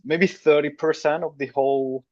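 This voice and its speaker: A man in his thirties hosting a podcast interview, speaking in a hesitant, halting way with frequent repeats. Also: fairly high pitch, steady tone, darkish tone, no room sound, dull audio. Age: 30s. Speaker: podcast host. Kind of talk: casual interview talk.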